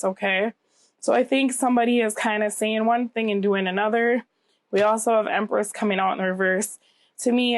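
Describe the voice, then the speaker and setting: A woman reads tarot for viewers in a casual, conversational way, at a middling pitch. Her voice is a little scratchy and nasal from a cold, and the sound is close and dry. She often checks in with short tag questions. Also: no echo. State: getting over a cold. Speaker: tarot reader, channel host.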